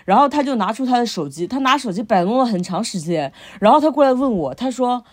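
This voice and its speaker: A woman's voice: fairly high pitch, lively intonation, quick pace. A woman co-hosting a podcast, telling a story in casual chat, stringing clauses together with lots of fillers. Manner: rambling, chains clauses with fillers. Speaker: podcast co-host.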